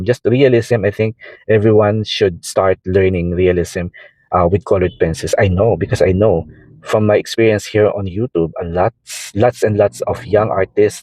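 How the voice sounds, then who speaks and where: A man's voice: on the low side, warm tone, no echo, low-quality recording. A man from the Philippines with a Filipino accent and Tagalog as his first language, talking casually through an art tutorial, rambling and repeating himself with many fillers. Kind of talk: casual tutorial talk over drawing.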